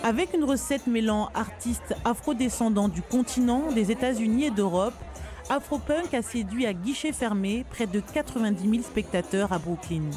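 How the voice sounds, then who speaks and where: A woman reading a scripted news report in a measured, formal voice. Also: fairly high pitch, mellow, faint music behind. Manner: measured, formal voice-over delivery.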